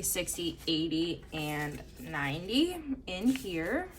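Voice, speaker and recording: A young woman from Canada talks casually and counts cash aloud in a steady rhythm, her voice a little hoarse from a coming cold. She sits a touch low for a woman. A faint hum of room ambience runs underneath. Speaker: budgeting vlogger.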